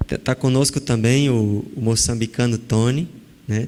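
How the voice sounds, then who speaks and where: A soft-spoken voice with a dark, mellow tone and a northeastern Brazilian accent, at a moderate pace. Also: man. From Brazil, Rio Grande do Norte (Northeast sertão). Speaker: missionary pastor. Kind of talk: sermon. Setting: church.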